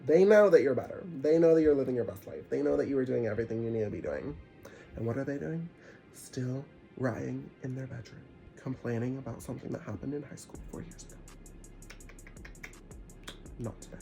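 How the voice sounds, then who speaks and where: Young male vlogger, stuffy nose, animated and preachy, mid-pitched, faint music underneath. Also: fairly quick, gravelly, long pauses, low-quality recording. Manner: animated, preachy, sarcastic asides. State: congested. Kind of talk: casual spiritual advice monologue.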